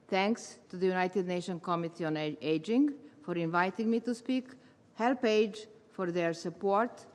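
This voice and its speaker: A woman, a retired English teacher giving a measured, formal prepared speech as a volunteer. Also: lowish voice, a bit bright. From Serbia. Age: 70s. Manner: measured, formal delivery with careful phrasing. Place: large meeting hall. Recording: long hall reverb.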